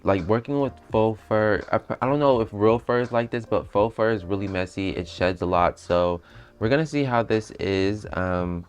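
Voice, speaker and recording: Raspy low-voiced man chatting while sewing. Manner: chatty, explains steps as he works. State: raspy voice after a night out. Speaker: bag designer. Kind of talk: casual sewing vlog.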